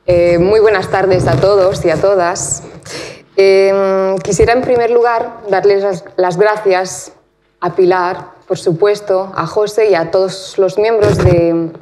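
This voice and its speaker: A woman guest lecturer presents an academic talk to a hall audience. She talks at a measured pace, often pausing on fillers and repeating words as she finds her phrasing. Her voice comes through a mic in a lecture room. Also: mid-range voice, steady tone, dark tone, slight background noise.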